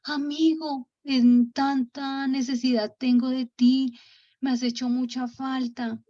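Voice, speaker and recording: A woman's voice: fairly high pitch, fairly even intonation, measured pace, warm tone. A woman voicing a remorseful male Roman governor's spirit who pleads for forgiveness, on a dull lo-fi recording. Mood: pleading. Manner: pleading, emotional.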